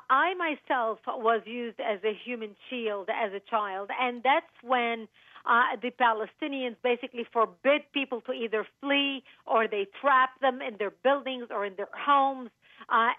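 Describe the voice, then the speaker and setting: Woman, from Lebanon, high voice, emphatic guest on a tinny phone line. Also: a little slow, no echo. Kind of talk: radio interview. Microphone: telephone.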